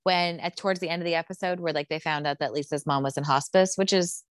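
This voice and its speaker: A woman's voice: sits low, steady tone, fast talker, no room sound, studio quality. A young woman co-hosting a podcast, chatting casually and opinionated, with lots of "like". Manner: chatty, opinionated, heavy use of "like". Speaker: podcast co-host. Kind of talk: casual chat.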